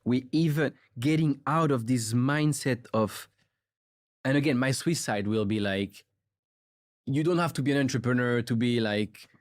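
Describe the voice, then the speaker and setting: A man hosts a podcast interview in an agreeable, prompting way, often tagging his points with a rhetorical "right?". His voice sits at a middle pitch. It is recorded on a close studio mic with a dry, dead sound. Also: normal speed, dry recording. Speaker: podcast host.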